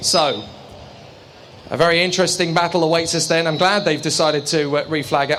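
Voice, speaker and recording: Fairly high male speech against noticeable background noise. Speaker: motorsport commentator. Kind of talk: live commentary. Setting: trackside at a kart circuit. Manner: loud; animated.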